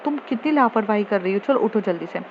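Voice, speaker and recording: A woman voicing a caring, bossy young female tutor who fusses and scolds, then coaxes gently, in a spoken love story. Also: mid-range voice, animated, fast talker, dull audio, a little hiss or hum, natural voice. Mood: scolding.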